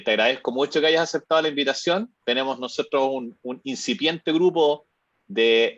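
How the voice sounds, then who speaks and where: A man's voice: medium pitch, a bit bright, dry recording. Hesitant man hosting online. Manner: hesitant, many fillers and restarts. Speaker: host. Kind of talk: introducing a guest at an online seminar. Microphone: video call. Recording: dry, muffled video call audio.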